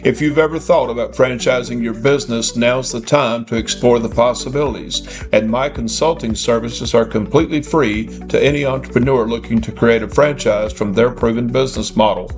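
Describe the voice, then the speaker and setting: A man reading a scripted, upbeat sales ad for consulting services. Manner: upbeat sales pitch, slowing down for the phone number. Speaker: advertiser, franchise consultant. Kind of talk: scripted ad read. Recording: ad read over soft music.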